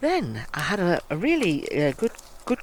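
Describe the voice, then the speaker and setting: The voice is quiet. Noticeable background noise sits behind it. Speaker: vlogger. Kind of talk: walking vlog narration. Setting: outdoors.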